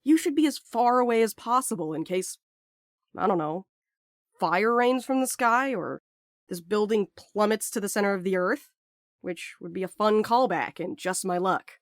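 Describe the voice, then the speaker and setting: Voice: medium pitch, moderate pace, dry recording, clean studio sound, close to an everyday voice. A performer playing a sardonic, stubborn young postmaster who deflects with casual jokes in an audio drama. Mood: stubborn, wry. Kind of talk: naturalistic audio drama acting.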